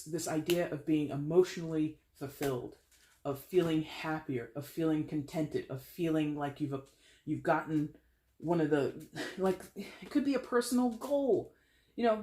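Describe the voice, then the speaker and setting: A woman with a fairly deep voice giving a casual, animated tarot reading, often trailing off mid-phrase. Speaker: tarot reader.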